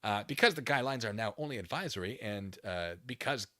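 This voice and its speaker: Man, streamer commentary, reading aloud with mocking asides, lively varied intonation, crisp forceful tone, theatrical. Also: on the low side, fairly quick, dry recording, clean studio sound. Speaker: commentary streamer, channel host. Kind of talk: off-the-cuff commentary while reading a document aloud.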